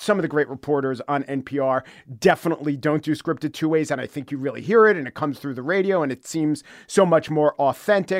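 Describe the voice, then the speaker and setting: A man with a slight New York accent talks at a fairly quick pace in a fairly high voice with ordinary pitch variation, the sound dry and close with no echo against a quiet background. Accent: New York, slight gruff. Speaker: podcast host and journalist. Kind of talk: casual chat, game show banter. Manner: gruff, everyday-guy demeanor.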